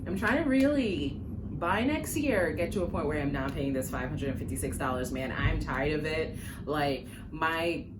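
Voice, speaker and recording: Against a noisy background, a low-pitched woman chats casually to camera in a personal finance vlog. She speaks Jamaican Patois as her first language and rambles at home into a phone on a tripod, laughing often and using many fillers.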